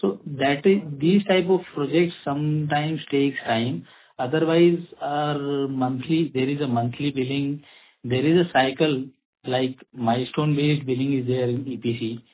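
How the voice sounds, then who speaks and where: Halting Indian man on a tinny phone line. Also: mid-range voice, a little hiss or hum. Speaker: company executive answering investors. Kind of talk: earnings call answers.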